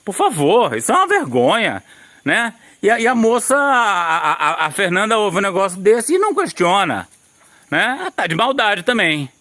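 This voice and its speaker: Indignant Brazilian man, lively pitch. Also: moderate pace, no echo. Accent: Brazilian Portuguese. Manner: indignant, with many restarts and tag questions. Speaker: channel host commenting on a newspaper article. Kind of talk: opinionated video commentary.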